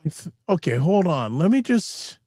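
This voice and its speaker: A man's voice: a little high, normal speed, slightly rough, no room sound, studio quality. A man hosting a live-streamed talk show, chatting casually and animatedly, often cutting himself off and joking. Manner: animated, self-interrupting, jokey. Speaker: host.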